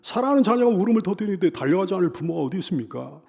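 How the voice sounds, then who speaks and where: Gravelly Korean pastor preaching. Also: male voice, sits high, very animated, very fast. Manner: swings between loud emphatic cries and soft hushed lines; repeats phrases with rising pleading intensity. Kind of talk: sermon.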